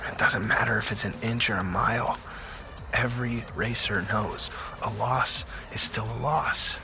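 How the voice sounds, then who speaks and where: A man's voice: lowish voice, steady tone, moderate pace, creaky, over music. An actor playing a brash young male scooter racer in a casual audio drama style. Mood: earnest, dejected.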